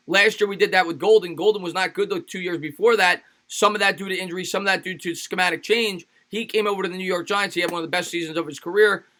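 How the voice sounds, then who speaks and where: A man hosting a casual sports livestream, reading fan donations aloud in an energetic, hyped-up way, his voice a little raspy and tired. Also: high-pitched. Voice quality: slightly raspy. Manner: energetic, hypes up fans. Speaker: sports YouTube host reading super chats.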